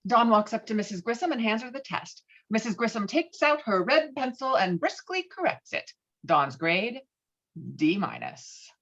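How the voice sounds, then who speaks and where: A woman's voice: a little high, very animated, moderate pace, a bit bright. A woman reading scripted stage directions and scene headings for a table read over a video call. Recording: dull, lo-fi online call audio.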